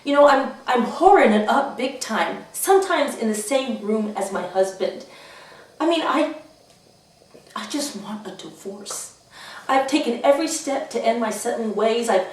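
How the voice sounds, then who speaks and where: A woman's voice: on the high side, animated, unhurried. A brazen, whiny small-town wife played by a woman in a comedy sketch. She complains bluntly and plaintively, heard from a little distance in a heavily echoing room. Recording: echoey room, distant microphone.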